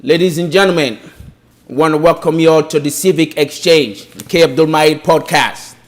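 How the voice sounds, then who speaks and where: A man's voice: fairly high pitch, normal speed. A man hosting an interview podcast, welcoming guests formally and asking plain conversational questions. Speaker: podcast host.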